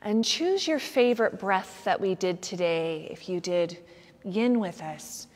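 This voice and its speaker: Woman doing guided yoga meditation, really slow and gentle, long echoey reverb on her voice. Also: mid-range voice, lively intonation. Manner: soothing, gentle, unhurried guiding with pauses. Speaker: yoga nidra teacher.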